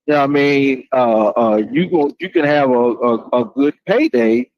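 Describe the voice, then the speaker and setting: A man chatting casually as a panelist, halting and roundabout, often saying "you know". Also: mid-range voice, no room sound, muffled recording. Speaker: panelist asking a question. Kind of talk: casual chat.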